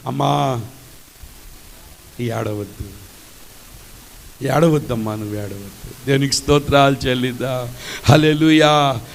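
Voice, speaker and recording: A male pastor preaching a sermon, swinging between shouted, sung exclamations and soft, tender speech. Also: high voice, creaky.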